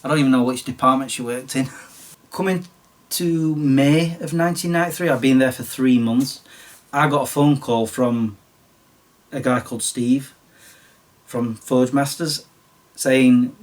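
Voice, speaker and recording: A man in his late forties with a Sheffield accent, chatting casually and self-deprecatingly about his past, his voice slightly croaky. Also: medium pitch, steady tone, unhurried, recorded from a distance. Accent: Sheffield English. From Sheffield, England. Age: late 40s. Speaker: YouTuber. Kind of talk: casual storytelling monologue.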